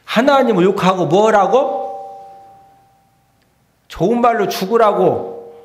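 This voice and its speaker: A male pastor giving a lively sermon in a church, often prodding his congregation for a response. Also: high voice, slow, slight background noise. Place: church sanctuary. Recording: echoey church hall.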